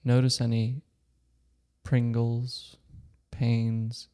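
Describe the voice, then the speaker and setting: A man leading a guided meditation, giving calm, gentle, unhurried instructions with long pauses between short phrases. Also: medium pitch, clean tone. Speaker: meditation teacher.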